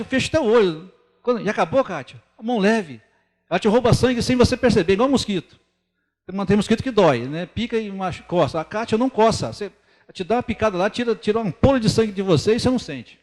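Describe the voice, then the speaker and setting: High-voiced Brazilian man preaching, hall reverb. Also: a little mellow. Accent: Brazilian Portuguese. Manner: earnest, conversational preaching with pauses. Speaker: lay preacher. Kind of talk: sermon. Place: church.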